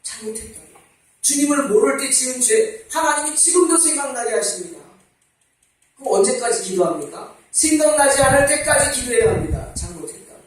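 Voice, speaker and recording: A man's voice: extremely high pitch, expressive, brisk. A man preaching a sermon as pastor, asking rhetorical questions and repeating his calls to repent. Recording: echoey church hall, mic at a distance.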